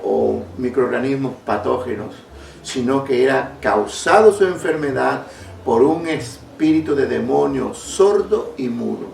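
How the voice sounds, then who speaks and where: A man's voice: medium pitch, gravelly. A man preaching a sermon as a pastor, telling stories with emphatic rises and drops. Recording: echoey room, distant mic, faint noise.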